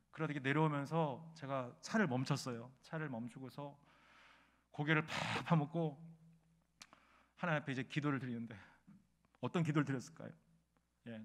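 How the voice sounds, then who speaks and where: A middle-aged man preaching in a church, with a fairly high voice. He tells his story and keeps asking the congregation questions, swinging from quiet asides to loud, ringing pleas. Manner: storytelling preacher who asks the congregation questions and surges loud when emotional. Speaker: pastor. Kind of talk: sermon. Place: church sanctuary.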